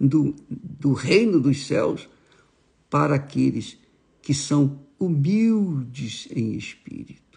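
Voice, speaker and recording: A man talks at a very slow pace with vocal fry and a fairly high pitch. His intonation is lively. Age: 80s+. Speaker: preacher. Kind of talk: sermon.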